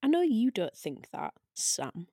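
A taunting, otherworldly spirit acted by a woman in an audio drama read. The delivery is unhurried, sardonic and provoking, savouring each phrase. The sound is close and dry, with very little room. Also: fairly high pitch, huge pitch swings, warm tone, husky, no room sound, exaggerated voice. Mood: coolly persuasive. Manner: drawn-out, sardonic, needling. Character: taunting disembodied arcane spirit, silky and provoking.

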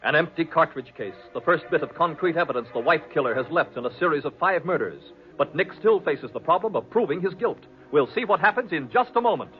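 A man's voice: fairly high pitch, animated, fairly quick, hardly any pauses, faint music behind. A man announcing a 1940s radio show, delivering scripted narration and sponsor messages in a polished, emphatic manner. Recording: tinny, hazy 1940s radio recording.

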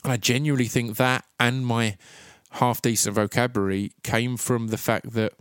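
A man's smooth, mid-range voice keeps a steady tone at a moderate pace as he hosts a podcast of casual interview and reflective monologue. He stutters noticeably, repeating initial sounds of words, and the recording is studio quality with no room sound.

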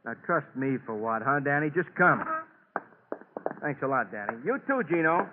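An actor playing a brisk, blunt police detective in a 1950s radio drama. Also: male voice, mid-range voice, animated, background noise, natural voice. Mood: pushy. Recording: tinny old radio broadcast.

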